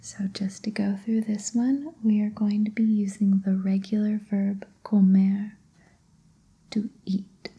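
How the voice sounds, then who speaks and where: A woman whispering a Spanish grammar lesson, slow and patient, in a breathy ASMR style. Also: mid-range voice, level tone, mellow. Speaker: Spanish tutor.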